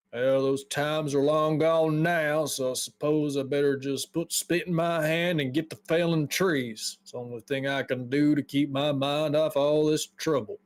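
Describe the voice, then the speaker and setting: A man's voice: fairly high pitch, close to an everyday voice. A man doing a bitter, grumbling woodcutter. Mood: resentful. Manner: grumbling, coarse, resentful. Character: bitter working-class male woodcutter villager.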